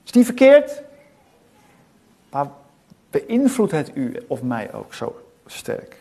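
A middle-aged man delivers a sermon in a church, his voice sitting a little high for a man. He speaks earnestly and puts rhetorical questions to the congregation. He pauses between short phrases. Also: wildly swooping pitch, mellow. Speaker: preacher. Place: church hall.

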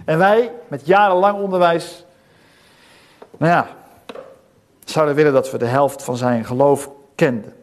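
A middle-aged man preaching a sermon in a church. He speaks earnestly, with frequent rhetorical questions and pauses between phrases. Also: on the high side, fairly even intonation. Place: church hall.

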